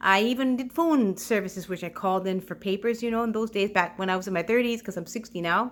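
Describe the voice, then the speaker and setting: A woman with a Canadian accent at a very fast pace, with hardly any pauses. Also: medium pitch for a woman, ordinary pitch variation. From western Canada (British Columbia). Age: 60s. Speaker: online marketer. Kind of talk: casual vlog introduction. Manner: halting, with fillers.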